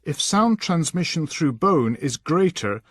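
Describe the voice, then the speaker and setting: A man reading scripted instructional narration in a measured, instructing manner. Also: fairly high pitch, animated. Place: dry voice-over recording.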